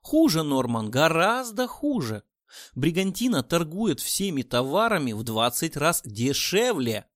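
A man's voice: a little high, sing-song, unhurried, a bit bright, no room sound, clean studio sound. A man voicing a smug female assistant. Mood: smug insistent. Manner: smug, insistent.

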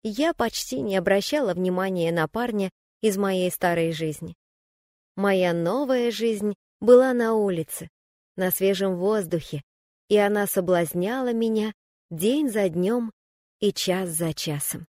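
A woman reading a first-person memoir aloud as an audiobook narrator, in a calm, even and reflective way. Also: medium pitch, measured pace, no echo, clean studio sound.

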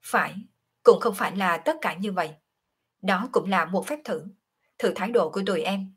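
A woman reading a calm, confiding young woman. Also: mid-range voice, moderate pace, breathy edge. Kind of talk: audiobook character reading.

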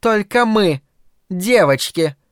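A man's voice: high voice, expressive, slow pace, clear, resonant tone, no room sound, studio quality, pitched above the performer's own voice. A man voicing a furious, cruel middle-aged mother who shrieks and sneers with biting sarcasm, in an audiobook reading. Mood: cold sarcasm. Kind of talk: audiobook character voice.

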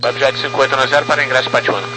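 A man's voice: mid-range voice, fairly even intonation, rapid-fire. A man, a pilot making brief calls over a static-laden radio. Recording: very noisy radio with hum.

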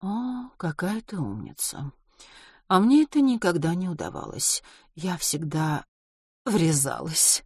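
Tiny frail old lady, as the narrator puts her on; hushed, shaky, wistful, dry. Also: fairly low pitch, sing-song, unhurried, breathy edge, dry recording, heavily acted. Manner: quiet, trembling, wistful.

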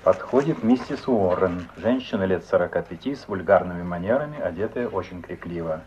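Casting: male narrator, low voice, scripted drama narration, noisy vintage sound. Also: animated, a little fast, darkish tone. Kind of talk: scripted radio play narration of stage directions. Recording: dull, noisy old radio recording.

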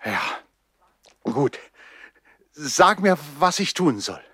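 A man's voice: a little high, sing-song, drawn-out words, bright, forceful tone, breathy edge, no echo, studio quality, exaggerated voice. An actor playing an eager, anxious young boy, earnest and pleading, in a 1960s radio play. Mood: eager, excited.

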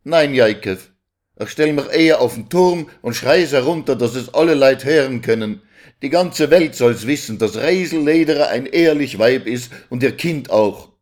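A man voicing a distraught Jewish village mother who laments loudly over her child's honor. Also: lively intonation, moderate pace, close to an everyday voice. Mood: defiant. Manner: lamenting, high and insistent.

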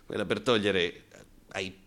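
Bitter, wounded gay man, low-voiced. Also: fairly even intonation, fairly bright tone. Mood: angry, sarcastic. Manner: halting, repeats words, rhetorical questions, bursts of sarcasm. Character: bitter, wounded gay man denouncing macho military cruelty. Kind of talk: theatrical radio monologue, colloquial and impassioned.

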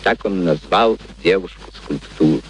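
An actor playing a genial, curious gentleman who narrates a radio play in an expressive, theatrical storytelling manner. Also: sits low, a little slow. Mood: wry, storytelling. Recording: noisy vintage radio play recording.

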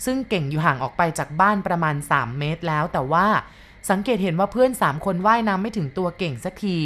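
Woman telling a ghost story to listeners, polite and chatty, lowish voice. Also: lively intonation, fast, fairly bright tone. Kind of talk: spoken ghost story narration.

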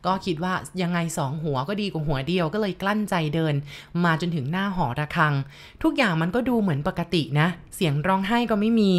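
Woman reading out ghost stories, lowish voice, polite and chatty with listeners. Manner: polite, addresses listeners directly. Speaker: ghost story narrator. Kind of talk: narrated ghost story for listeners.

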